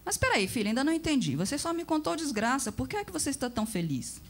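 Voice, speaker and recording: A woman's voice: sits high, sing-song, quick pace, voice pushed up. A woman voicing a worried elderly mother who frets and scolds her daughter. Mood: fretful scolding. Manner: fretful, scolding.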